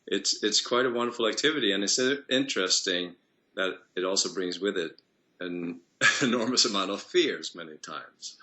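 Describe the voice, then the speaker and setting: Bright-voiced male voice coach. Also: sits low, moderate pace. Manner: earnest, flowing, demonstrates voices. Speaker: voice and singing coach. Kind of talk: interview answers, explaining.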